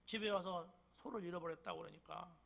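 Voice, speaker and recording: Older male pastor, Jeolla dialect, high and gravelly, emphatic sermon delivery with whispered asides. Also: brisk. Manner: emphatic preaching with sudden loud bursts and soft whispered drops. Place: church sanctuary.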